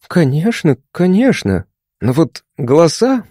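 Man doing a young woman doctor, polite, gently questioning, raised lively voice, warm dry storybook read. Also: on the high side, measured pace, no echo, pitched above the performer's own voice. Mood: careful polite.

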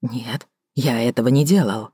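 A woman narrator voicing a calm, restrained man who speaks quietly and in a measured way. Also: extremely low pitch, slightly rough, no echo, clean studio sound, exaggerated voice. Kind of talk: audiobook character voicing.

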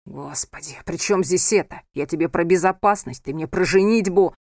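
Woman doing a angry young husband, storybook, low-pitched, hard-edged, loud scolding, dry sound. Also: moderate pace, no room sound, close to an everyday voice. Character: stern angry young husband, controlling and forceful.

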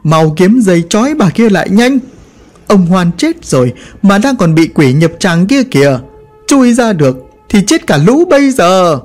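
A stern older man, as a male narrator puts him on, barks orders in a loud, raised voice. His commands come urgent and lively over soft background music. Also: high voice, moderate pace, voice pushed up. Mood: urgent commanding.

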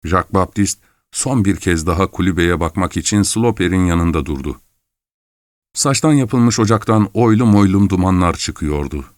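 Male audiobook narrator, measured storytelling, low voice, dry close sound. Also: no echo. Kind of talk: scripted literary narration.

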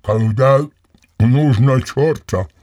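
An actor playing a lazy, fat village sorcerer in an audio play, terse, gruff and drawling. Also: male voice, medium pitch, slow pace, mellow, soft background music, close to an everyday voice. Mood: indifferent, cryptic.

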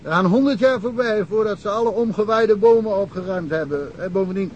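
A wry, talkative small-town cop, played by a man rambles through old cases with a dry chuckle. His voice sits a little high, with a faint hiss behind it. It is a radio play. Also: brisk, darkish tone, highs cut off, lightly acted. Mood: amused, chatty. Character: chatty provincial cop, male, middle-aged, wry. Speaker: local police detective. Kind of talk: radio drama acting.

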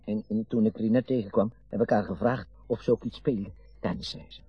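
A husky, garrulous old father. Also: on the low side, steady tone, fairly quick, no room sound, dull audio, faint music behind. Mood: rambling. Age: 60s. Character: garrulous, meddling, wistful retired father of sixty-five. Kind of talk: naturalistic radio drama acting.

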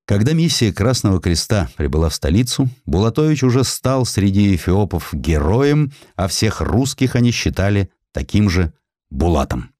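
A man narrating a historical story in an expressive, theatrical storytelling manner. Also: on the low side, moderate pace, no room sound, studio quality. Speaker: audiobook narrator.

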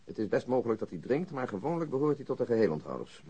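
A methodical police detective in a radio play. His voice is somewhat rough and husky, and he lays out facts in a dry, measured, reciting way. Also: mid-range voice, big pitch swings, warm tone, lo-fi sound. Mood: dry, factual. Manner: matter-of-fact, measured, reciting. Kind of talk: radio drama acting.

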